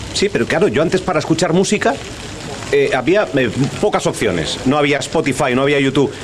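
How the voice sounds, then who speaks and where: A man talks at a fairly quick pace with a fairly high pitch and lively intonation. His loudness stays very even over noticeable background noise. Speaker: radio host. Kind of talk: casual chat.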